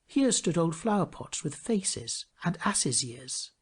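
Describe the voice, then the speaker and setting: Male fairy-tale narrator: expressive, measured scripted read, very varied intonation, slightly breathy-husky tone. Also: on the high side. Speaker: storyteller.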